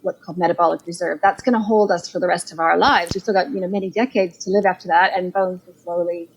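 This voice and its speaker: A woman's voice: fairly low pitch, steady tone, fast talker, slight background noise, low-quality recording. A middle-aged Canadian woman with a Canadian accent, a clinician guest on a podcast, explaining medical research in an earnest, detailed way. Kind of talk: podcast interview over a call.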